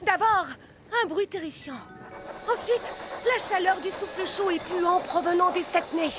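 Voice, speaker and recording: A woman voicing a spirited, inquisitive young girl in a children's cartoon, with an animated, dramatic way of talking. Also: very high voice, unhurried. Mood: spooky storytelling. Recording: background music under the dialogue.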